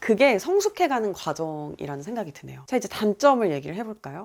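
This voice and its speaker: The recording is very clean and the background silent. The woman's pitch swings very widely. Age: 30s. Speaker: YouTuber. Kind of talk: casual chat. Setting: at home.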